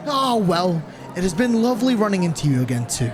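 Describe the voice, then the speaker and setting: A woman's voice: mid-range voice, very animated, fairly quick, music in the background, close to an everyday voice. A woman playing a chatty, effusive family acquaintance.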